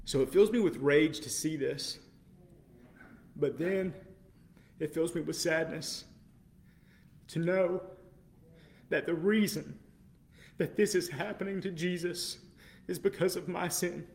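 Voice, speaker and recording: A man preaching a sermon with passion, moving between quiet, measured passages and loud, incredulous outbursts. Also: a little high. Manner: impassioned, swings from quiet to loud exclamation.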